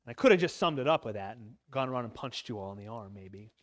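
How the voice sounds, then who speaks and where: A man with an expressive, mid-range voice and a quick pace preaches to other men in a church sanctuary. He is a lay preacher at a men's talk, and his sermon is heartfelt and emotional, with his voice catching at times.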